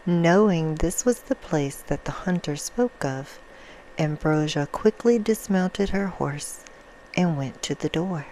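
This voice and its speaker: A woman playing a vampire who reads a bedtime story in a hushed, soothing ASMR roleplay style. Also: low voice, animated, slow pace, a little hiss or hum, rough recording. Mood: soft, storytelling. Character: female vampire reading a soft bedtime story.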